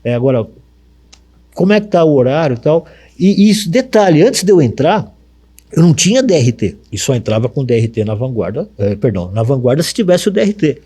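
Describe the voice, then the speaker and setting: A man's voice: medium pitch, brisk, husky. A middle-aged man with a Brazilian Portuguese accent, a radio announcer telling stories in an interview, acting out the dialogue as he goes. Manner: lively anecdote telling, acts out dialogue, frequent tag questions. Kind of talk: storytelling in an interview.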